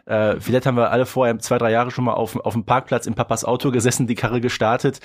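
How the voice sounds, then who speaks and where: A male podcast host with a medium-pitched voice, recorded dry and close. He chats casually and colloquially, often seeking agreement with little tag questions. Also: flat delivery, fast, no echo. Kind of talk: casual chat reviewing a story.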